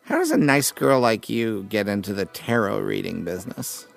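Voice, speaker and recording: A man's voice: fairly low pitch, lively intonation, normal speed, creaky, faint music behind. An actor playing a hapless, good-humoured man on a café date in an audio comedy, with a wry, self-deprecating, joking manner. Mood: teasing. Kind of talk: audio drama comedy acting, conversational.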